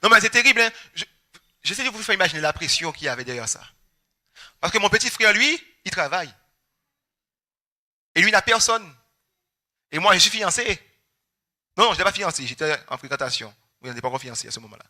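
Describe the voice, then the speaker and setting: A young Guadeloupean man preaching a personal testimony, animated and storytelling, acting out his family's words. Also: high-pitched, fast talker, long pauses. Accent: Guadeloupean French. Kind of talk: testimony sermon.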